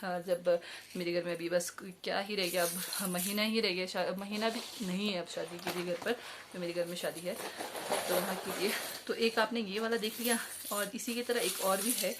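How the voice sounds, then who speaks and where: A woman's voice: mid-range voice, fairly even intonation, moderate pace. Chatty young woman, noisy home vlog. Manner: chatty, hesitant with many fillers and self-corrections. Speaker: vlogger. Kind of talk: casual show-and-tell vlog. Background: jingling jewellery and bells.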